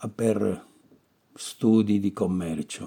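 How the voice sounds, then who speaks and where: This man has a dark, mellow tone. He talks at a very slow pace. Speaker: actor reading aloud to listeners. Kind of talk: literary audiobook reading of a Christmas story, with a storyteller's voice. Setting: home recording. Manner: expressive, playful storyteller with sly asides.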